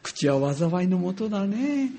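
An older man telling a personal story in a sermon, animated and acting out scenes with sound words. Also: sits high, measured pace. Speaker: preacher.

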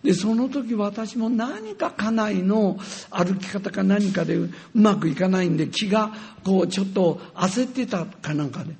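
An older man telling a personal story in a sermon, animated and acting out scenes with sound words. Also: high-pitched, normal speed, vocal fry, hardly any pauses. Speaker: preacher.

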